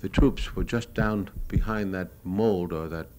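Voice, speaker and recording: A low-voiced American newsreel cameraman, unhurried and a little mellow, talks through his own home movies of the war off the cuff. He's matter-of-fact but hesitant while reminiscing, and the old live recording is noisy.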